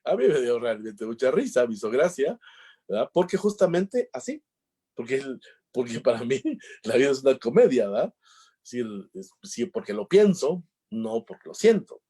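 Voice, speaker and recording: A man's voice: medium pitch, very animated, normal speed, mellow, husky. A man giving a talk on emotional intelligence, telling jokey stories and acting out the dialogues. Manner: jokey storyteller, acts out dialogues. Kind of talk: conference talk with anecdotes.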